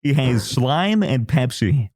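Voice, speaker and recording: A man's voice: medium pitch, very animated, takes it slowly, a little mellow, slight background noise. A man on a podcast telling a crude story in a casual, laughing way, full of restarts and swearing. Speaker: podcast co-host.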